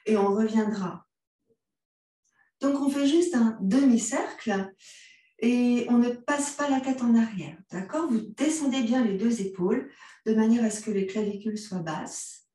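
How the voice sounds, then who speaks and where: A woman with a French accent leads a yoga class in a slow, soothing way. Her voice is mellow and her cues are gentle. She sounds far from the mic in a very echoey room. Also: on the high side. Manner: calm, gentle cues, mixes vous and tu. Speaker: yoga instructor. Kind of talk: guided yoga class instruction.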